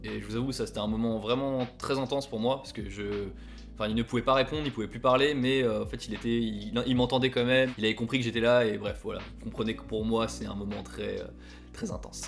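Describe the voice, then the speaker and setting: A young man chatting casually on his vlog, reading out viewer messages and reacting with animated, sometimes loud mock outrage. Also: mid-range voice, quick pace, gravelly, faint music behind. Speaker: YouTuber.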